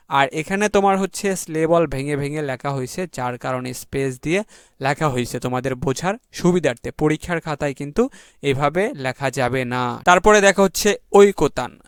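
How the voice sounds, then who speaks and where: A man from Bangladesh teaching an exam revision lesson, spelling words out slowly letter by letter and drawing out the key words. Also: fairly high pitch, no echo, studio quality.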